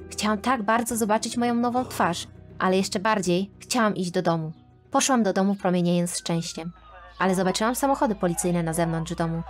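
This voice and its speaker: A woman reading a scripted first-person animated story aloud, with expressive, dramatic storytelling. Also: medium pitch. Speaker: narrator. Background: faint background music.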